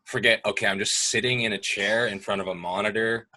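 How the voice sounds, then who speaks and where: Young man, very low voice with a bright edge, easygoing explainer on a video call. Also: brisk. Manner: relaxed, explanatory, hedging with fillers. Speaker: guest speaking about gaming. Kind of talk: casual video call discussion.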